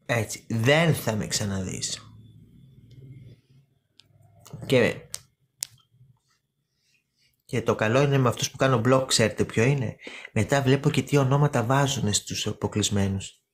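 A woman hosting a casual live stream, chatting and gossiping with her viewers, calling them by name and repeating words for emphasis. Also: very deep voice.

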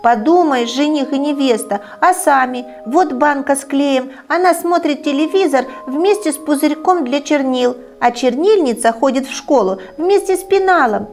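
A woman's voice: darkish tone, lightly acted. Woman doing a shy little eraser girl. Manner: high, pleading and indignant.

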